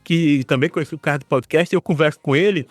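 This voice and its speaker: A man's voice: a little high, quick pace, no room sound. Dry, close Northeastern Brazilian man. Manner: relaxed, chatty, swears casually. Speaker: podcast co-host. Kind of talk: casual podcast chat.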